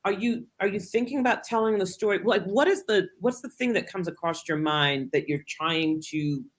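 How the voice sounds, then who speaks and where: A woman's voice: medium pitch, expressive, normal speed. A woman podcast host interviewing a guest, enthusiastic and rambling in her questions with many fillers, over a video call. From United States. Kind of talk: casual interview.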